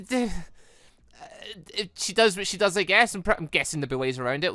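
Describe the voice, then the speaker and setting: A man's voice: a little high, bright, forceful tone, no room sound, studio quality. A British man hosting a gaming playthrough, rambling and musing aloud as he gives casual commentary. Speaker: gaming video host.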